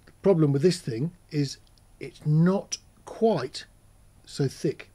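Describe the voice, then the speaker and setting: Husky-voiced man explaining things casually. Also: fairly high pitch, takes it slowly, dark tone. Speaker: presenter of an audio gear channel.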